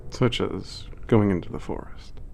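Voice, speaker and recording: A man voicing an ancient, gentle male giant who speaks calmly and formally. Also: fairly low pitch, a little slow, vocal fry, faint music behind. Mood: kind. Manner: calm, formal, soft-spoken. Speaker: letter-writing narrator. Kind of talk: ASMR audio drama.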